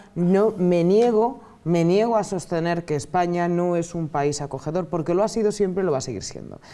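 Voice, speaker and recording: Her plain, everyday voice, fairly low for a woman, moves at a fairly quick pace with lively intonation. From Toledo, Spain; Spain. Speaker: politician, regional deputy and city councillor; politician, city councillor. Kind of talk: political debate. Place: studio. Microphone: lapel.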